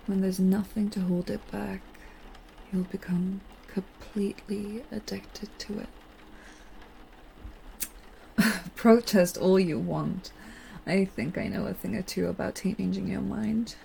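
Slow, gravelly-voiced woman whispering softly. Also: mid-range voice, a little hiss or hum, low-quality recording. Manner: soft, seductive, teasing whisper. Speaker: audio roleplay performer. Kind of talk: intimate whispered audio roleplay.

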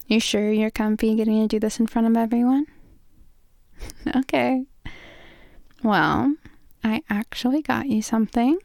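A woman performing intimate adult roleplay as a dominant, affectionate lover, murmuring drawn-out praise and sometimes slipping toward a whisper. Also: on the high side, gravelly, warm tone, no room sound, studio quality. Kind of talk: intimate erotic audio roleplay addressed to the listener.

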